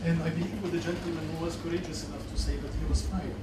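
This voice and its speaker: A man's voice: fairly high pitch, steady tone, rapid-fire. A man from Lebanon asking a long, earnest question from the audience of a workshop. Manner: long-winded, earnest, searching for words. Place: lecture hall. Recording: echoey hall, distant mic, noticeable noise.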